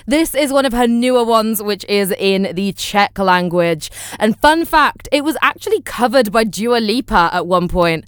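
A young woman hosting a music radio show, chatty and enthusiastic, often pausing on fillers and apologizing for names she might mispronounce. Her voice is smooth and clear, recorded close and dry with no room sound. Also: medium pitch, lively intonation, dry recording. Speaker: radio presenter. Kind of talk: casual radio chat.

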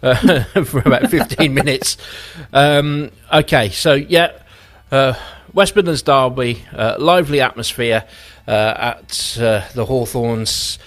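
A man's voice: medium pitch, takes it slowly, fairly bright tone. Chatty man hosting a radio football segment. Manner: chatty, teasing, loose with fillers. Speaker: radio presenter.

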